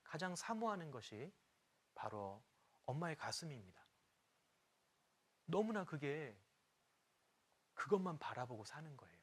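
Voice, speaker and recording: A man's voice: on the high side, sing-song, unhurried, long pauses, breathy edge. A middle-aged man preaching a sermon to church teachers, reading scripture aloud and telling personal stories with humor. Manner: sings a hymn line briefly. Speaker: pastor.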